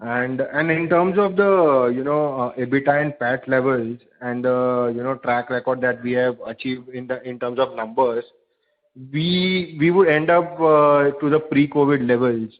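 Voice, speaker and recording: A man, politely and haltingly putting questions as an investor on an earnings call. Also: mid-range voice. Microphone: phone. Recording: narrowband phone line.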